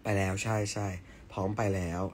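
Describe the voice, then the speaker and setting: A man's voice: brisk, slight background noise. A young man hosting a casual live stream from home, chatting and answering viewer comments in a playful, teasing way.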